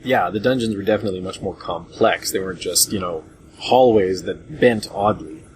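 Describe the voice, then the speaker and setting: A man hosting a casual group discussion about retro games in a rambling, hesitant way, on a low-grade voice chat recording. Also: moderate pace, noisy background. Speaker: podcast host.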